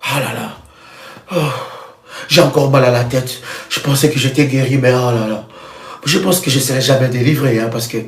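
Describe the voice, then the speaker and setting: A man's voice: mid-range voice, steady tone, moderate pace, creaky, voice pushed down, lightly acted. A man acting out a defeated, self-pitying man who groans that he is cursed and will never be healed. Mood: groaning. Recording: echoey room with soft music.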